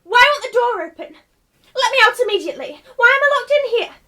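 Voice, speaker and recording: A woman's voice: very high-pitched, expressive, brisk, bright, forceful tone, full character voice. A woman playing a bewildered, indignant and prim journalist in a radio play, insistently questioning. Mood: panicked, outraged.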